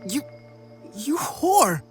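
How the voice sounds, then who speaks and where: A man's voice: very high-pitched, big pitch swings, very slow, faint music behind, full character voice. A man acting a lovesick, earnest young mercenary in a video game, melodramatic and formally spoken. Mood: outraged.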